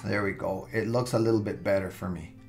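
A man walking through a software tutorial step by step, relaxed and thinking aloud with fillers and restarts, recorded at his computer with soft music underneath. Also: on the low side, a little fast.

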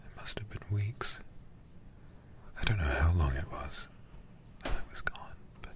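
A man playing a weary, tender knight in a whispered role-play, speaking slowly and haltingly to a lover, close to the microphone. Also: lively intonation. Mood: exhausted, tender. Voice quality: breathy whisper with gravelly low edge. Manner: slow, halting, intimate, tender knightly speech.

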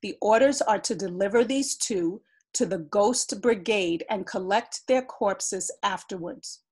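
A woman voicing a blustering soldier who barks orders loudly. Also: mid-range voice, a little slow, breathy edge. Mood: barking. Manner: barking, loud. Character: blustering soldier man, barking orders, easily scared.

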